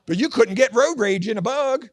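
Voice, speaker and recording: Animated older male Christian comedian. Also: very high voice, normal speed, no room sound. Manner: animated storytelling with acted-out voices and shouts. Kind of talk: stand-up comedy routine. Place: large event hall with an audience.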